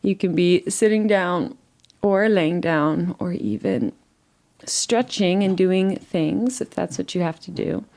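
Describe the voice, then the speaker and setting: A woman leading a guided relaxation meditation in a soothing, gentle way, leaving unhurried pauses between phrases. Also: medium pitch.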